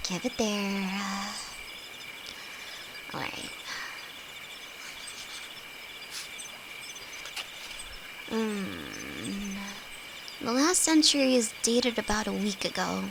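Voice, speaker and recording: Timid, slow-spoken young alchemist girl, played by a woman, over crickets. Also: medium pitch, big pitch swings, gravelly, noisy background, exaggerated voice. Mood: wary, curious. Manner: nervous, hesitant, stammering. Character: timid, easily frightened young female apprentice alchemist, affectionate best friend. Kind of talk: fantasy roleplay audio drama, intimate one-sided dialogue. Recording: night cricket and insect ambience throughout. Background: crickets and forest ambience.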